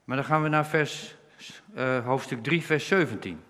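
A man delivers an earnest sermon, explaining Bible passages line by line. His voice sits in a middle register and carries a long reverb from the hall. He slows down to quote scripture. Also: mid-range voice, fairly bright tone. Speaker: preacher.

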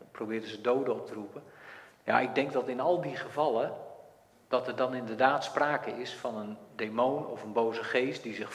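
A man talking through a passage of scripture like a teacher, loose and conversational, often pausing on fillers. His voice rings through a large hall with a long, lingering reverb. The tone sits in an ordinary middle pitch. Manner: conversational, hesitant, with many fillers and tag questions. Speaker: Bible teacher. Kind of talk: informal Bible teaching with scripture reading.

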